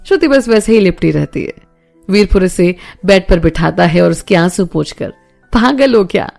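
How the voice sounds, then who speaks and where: A woman narrating a romance audio story in a steady storytelling manner. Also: fairly low pitch, normal speed, gravelly, soft background music.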